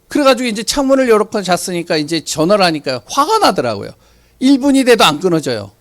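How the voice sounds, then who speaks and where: Male pastor preaching, high voice, swings up n down a lot, asks the crowd questions then goes quiet. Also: fast talker. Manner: animated storytelling, rhetorical questions, sudden drops to quiet. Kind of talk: sermon.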